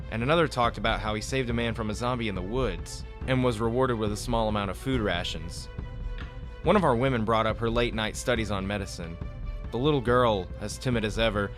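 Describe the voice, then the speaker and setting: A man reading a scripted first-person story in a measured, dramatic storytelling manner. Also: lowish voice, a bit bright. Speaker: amateur writer and narrator. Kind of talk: scripted story narration, then casual chat. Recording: music behind the voice. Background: background music.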